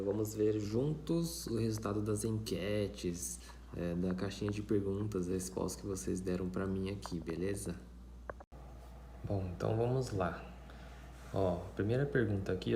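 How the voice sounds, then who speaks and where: Mandarin-native man, low mellow voice. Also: steady tone, moderate pace. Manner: chatty, many fillers and tag questions. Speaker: language teacher. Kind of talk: casual vlog talk to viewers. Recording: echoey room, faint background noise.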